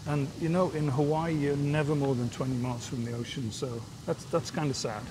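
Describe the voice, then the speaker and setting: A man's voice: fairly high pitch, fairly quick, background noise. An older man from Wales speaks in an easy, articulate way, recorded outdoors on a lapel mic. Faint outdoor ambience sits under his voice. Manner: articulate, relaxed storytelling. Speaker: aquarium director. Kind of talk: TV interview. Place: outdoors at a seaside aquarium.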